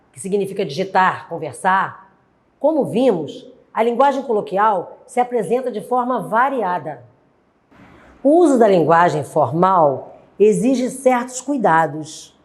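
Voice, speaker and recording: A Brazilian woman teaches a recorded lesson at an unhurried pace. Her pitch rises and falls a lot as she stresses each example. She lays out word pairs one by one, as if dictating. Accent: Brazilian Portuguese. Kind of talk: recorded grammar lesson for adult students.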